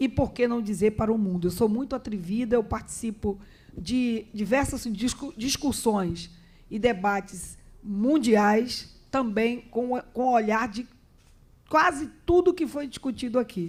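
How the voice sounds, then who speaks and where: A woman's fairly high, somewhat breathy voice in a Bahian accent, at a fairly slow pace with ordinary pitch variation. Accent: northeastern Brazilian (Bahian), drawn-out. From Bahia, Brazil. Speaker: state legislator. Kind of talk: formal closing speech at a meeting. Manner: halting with self-corrections.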